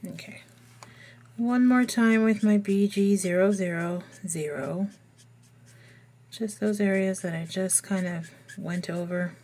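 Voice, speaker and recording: A woman's voice: mid-range voice, slow, dark tone, slight background noise. Slightly froggy woman chatting while coloring. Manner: chatty, thinking aloud while working. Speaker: coloring tutorial host. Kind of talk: casual voice-over demonstration.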